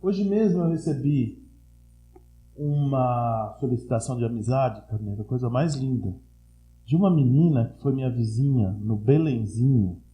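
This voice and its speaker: A man in his sixties from Brazil with an Italian-influenced São Paulo accent, chatting casually as an interview guest and telling stories in a slangy, animated way. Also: mid-range voice, moderate pace, dull audio. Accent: Italian-influenced São Paulo Portuguese. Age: 60s. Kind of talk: casual chat. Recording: roomy, echoey sound.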